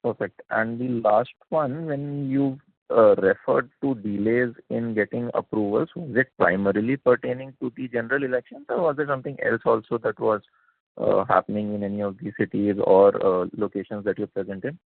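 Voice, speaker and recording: A man's voice: mid-range voice, steady tone, moderate pace, vocal fry, dry recording. A man asking probing, clarifying questions as an analyst on an earnings call. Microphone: telephone conference call. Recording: dry, narrow phone line.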